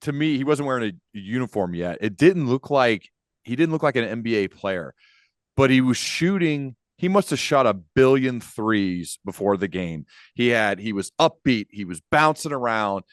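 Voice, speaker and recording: A man's voice: mid-range voice, lively intonation, moderate pace, no room sound, clean studio sound. A man hosting a podcast interview in a casual, conversational way, earnest and enthusiastic as he thinks aloud.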